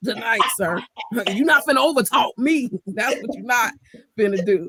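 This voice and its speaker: In an American accent, a woman speaks loudly at a fairly high pitch and a moderate pace, her pitch swinging very widely in a dry, close sound with no echo. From US South. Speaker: comedian. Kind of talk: casual chat. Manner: loud, projecting.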